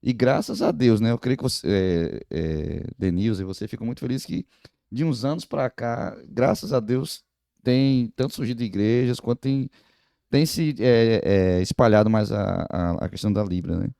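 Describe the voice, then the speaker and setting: A man's voice: mid-range voice, moderate pace, creaky, mellow, dry recording, studio quality. A man co-hosting a podcast, talking hesitantly with many fillers. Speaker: podcast host. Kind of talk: casual podcast conversation.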